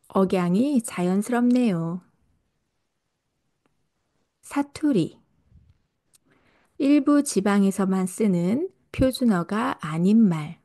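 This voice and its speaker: A woman reading a scripted podcast lesson for language learners, speaking slowly and carefully. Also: medium pitch, dark tone. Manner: slow, careful delivery for learners. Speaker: Korean language teacher and podcast host.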